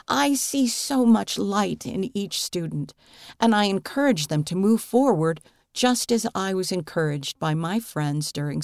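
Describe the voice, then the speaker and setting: A woman reading a magazine article aloud as scripted narration, earnest and measured. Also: fairly low pitch, darkish tone, dry recording, clean studio sound.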